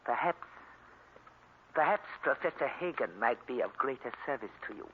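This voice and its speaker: An actor playing a polite, guarded Hindu professor in a formal, stilted 1940s radio style. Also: male voice, medium pitch, animated, moderate pace, close to an everyday voice. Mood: guarded, courteous. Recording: tinny, noisy 1940s radio recording.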